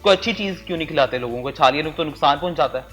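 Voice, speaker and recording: A man co-hosts a talk show, prodding his guest with question after question. His voice sits a little higher than most men's. Clear music runs behind him the whole time. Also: fairly bright tone, highs cut off. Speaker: co-host. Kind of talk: comedy talk show hosting. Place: TV studio.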